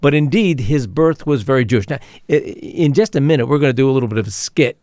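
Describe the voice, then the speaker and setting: A man's voice: medium pitch, animated, quick pace, a little mellow, no echo, clean studio sound. A man co-hosting a Christian radio talk show, earnest and enthusiastic, with fillers and restarts.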